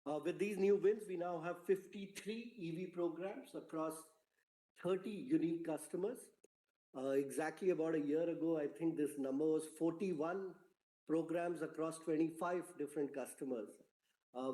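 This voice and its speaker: A company executive gives a prepared corporate presentation in a spacious, echoing room. His voice is fairly high and mellow, soft-edged and relaxed, and he delivers it in a measured, formal way, much like briefing investors on a conference call.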